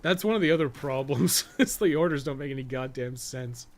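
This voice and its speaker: A man's voice: medium pitch, brisk. A man in his thirties with a Canadian accent, chatting in a casual, rambling, profane way while playing a game on a livestream. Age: 30s. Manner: profane, colloquial. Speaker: gaming livestream host. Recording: noticeable background noise.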